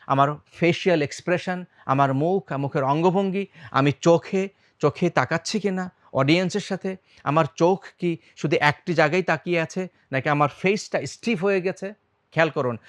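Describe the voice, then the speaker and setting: A man with a Bangladeshi accent teaches public speaking, his voice sitting a little high. He throws quick questions at his listeners and plays with loudness and speed as he talks. English words slip in among his sentences. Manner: quizzes the audience, shifts loudness and speed on purpose. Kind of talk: lively talk to the audience.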